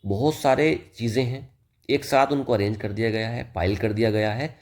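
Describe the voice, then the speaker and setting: A man teaching English vocabulary in a loose, conversational manner. He reads the example sentences slowly and deliberately, then explains them casually, now and then calling the listener "brother". His pitch sits in the middle range for a man. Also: fairly even intonation, darkish tone. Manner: mixes Hindi and English, addresses listener as "bhai". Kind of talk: explanatory lesson.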